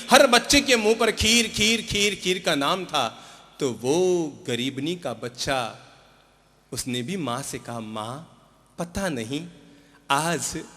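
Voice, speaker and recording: A man delivers a sermon in a bright, forceful voice that sits somewhat high. He acts out the voices in his story, climbing to loud emphatic peaks and then dropping soft and low. A long reverb trails his words. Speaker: Jain monk preacher.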